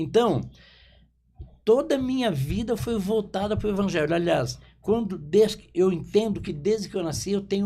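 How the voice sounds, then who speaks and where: Music in the background behind a man speaking at a moderate pace. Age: 70s. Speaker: pastor. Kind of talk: interview.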